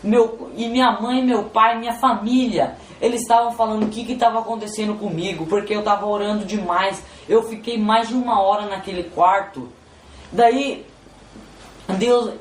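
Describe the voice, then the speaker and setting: Brief: man, emotional religious testimony, halting and repetitive, roomy echo. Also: sits high, steady tone, slight background noise. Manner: halting and repetitive, constantly addressing "Senhor". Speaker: testimony giver. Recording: roomy with faint background ambience.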